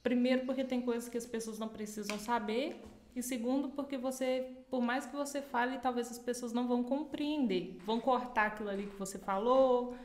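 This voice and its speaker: A woman with a Brazilian Portuguese accent from Minas Gerais, a podcast host chatting in a quick, casual way. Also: a little high, steady tone, darkish tone. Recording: echoey room.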